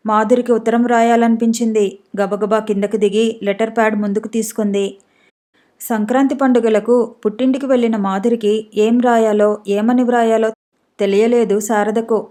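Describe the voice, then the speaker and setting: Calm woman narrating a story. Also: on the high side, moderate pace. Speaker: audiobook narrator.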